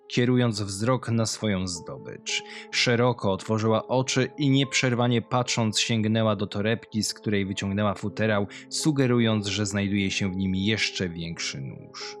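A man's voice: animated, unhurried, creaky. A man reading a scripted horror story as a narrator. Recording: low music behind, compressed audio. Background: music.

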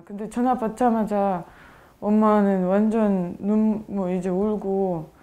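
Young woman, mellow and halting. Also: medium pitch, fairly even intonation, dull audio. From Ukraine. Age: 20s. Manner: halting, searching for words. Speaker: interviewee. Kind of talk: interview.

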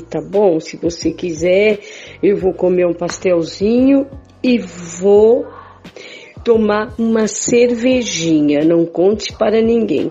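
Woman as sly easygoing flirt, husky, casual, radio soap, muffled recording, faint music. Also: mid-range voice, warm tone. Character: easygoing woman slyly inviting a man out. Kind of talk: amateur improvised radio soap opera. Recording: dull lo-fi recording, music behind.

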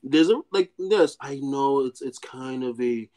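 A man's voice: medium pitch, expressive, a little slow, warm tone. A young man with a Nigerian accent, debating over a video call from a small room. He talks in bursts, repeats himself and stumbles over words. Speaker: debate guest. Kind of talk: heated casual debate. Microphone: webcam on a video call.

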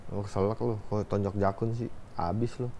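A man's voice: on the low side, flat delivery, brisk, mellow, a little hiss or hum. A man in casual banter with old school friends, confidently explaining things in slangy talk. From Indonesia. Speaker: podcast co-host.

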